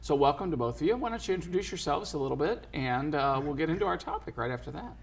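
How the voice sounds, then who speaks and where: Gravelly, easygoing male talk show host. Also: on the high side, animated, slight background noise. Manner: easygoing, halting with fillers and restarts. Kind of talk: local TV faith talk show.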